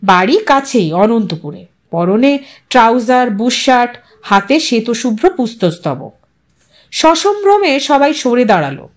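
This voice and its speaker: A woman reading a literary story as an audiobook narrator, in a dramatic storytelling style. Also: on the high side.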